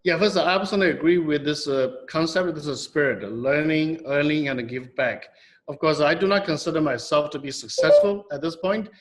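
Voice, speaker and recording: A man, a company co-founder, giving thoughtful, measured interview answers with frequent pauses and restarts. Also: a little high, rough recording.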